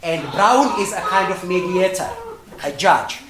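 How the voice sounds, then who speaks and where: A man's voice: high-pitched, measured pace, roomy sound, crowd noise, poor audio. A middle-aged man from Ethiopia with an Ethiopian accent, whose first language is Amharic, telling a personal story to an audience with many fillers and restarts, often laughing between phrases. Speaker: storytelling speaker.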